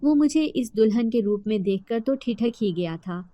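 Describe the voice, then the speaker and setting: Mellow-voiced woman narrating a horror tale. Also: on the high side, lively intonation, no echo, lo-fi sound. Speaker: storyteller. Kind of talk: first-person scripted horror story narration.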